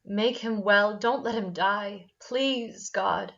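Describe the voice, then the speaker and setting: A woman playing a lovesick, anxious high school girl in a screenplay table read, on lo-fi audio. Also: slow, creaky, fairly bright tone. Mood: pleading. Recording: dull, lo-fi online call audio.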